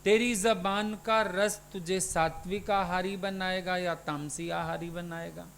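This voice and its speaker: A man's voice: high voice, flat delivery, slow pace, gravelly, fairly bright tone, a little hiss or hum. A man, a spiritual teacher, giving a satsang sermon and putting questions to his listeners.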